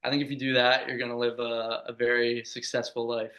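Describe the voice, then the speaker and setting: A man's voice: mid-range voice, little pitch movement, a little fast, sharp tone, lo-fi sound. A man in his twenties, a podcast guest, answering earnestly in a casual way with many "like" and "just" fillers. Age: 20s.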